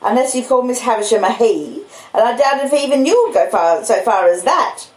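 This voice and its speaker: A woman voicing a domineering, sharp-tempered working-class housewife in a storybook, scolding with emphatic sarcasm. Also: fairly high pitch, expressive, normal speed, reverberant, voice pushed up, close to an everyday voice. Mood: snappish, sarcastic.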